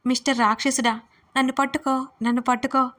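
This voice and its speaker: A woman doing a loud, silly young heroine. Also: sits high, flat delivery, fairly quick. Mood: loud playful. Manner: loud, squealing, playful. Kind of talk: audio story character voice.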